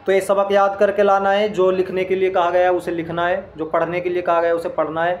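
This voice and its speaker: A man's voice: sits high, monotone, brisk. A man teaching an Arabic grammar lesson in speech, explaining step by step and quizzing his listeners with questions.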